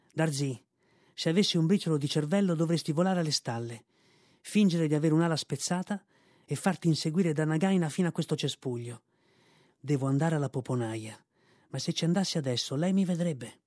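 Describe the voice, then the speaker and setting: A man's voice: on the high side, brisk, a little mellow, no echo, studio quality, lightly acted. Brave mongoose hero, brusque and bossy, read by a man. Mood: commanding. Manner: brusque, commanding. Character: brave young male mongoose, bold and impatient.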